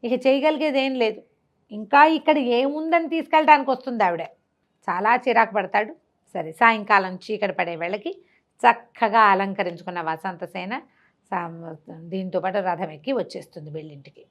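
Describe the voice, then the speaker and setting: A woman's voice: medium pitch, moderate pace. A woman retells a classical tale conversationally, acting out the dialogue and posing rhetorical questions as she goes. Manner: acts out characters' dialogue, asks rhetorical questions. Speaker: storyteller.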